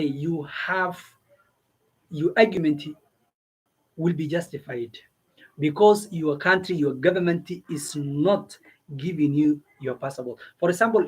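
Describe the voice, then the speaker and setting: A man's voice: a little high, unhurried, slightly rough, rough recording. A man from East Africa hosting a casual explainer video, repeating his points and checking in with listeners. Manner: repeats himself, asks listeners questions. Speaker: video host giving visa advice. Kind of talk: casual explainer talk to camera.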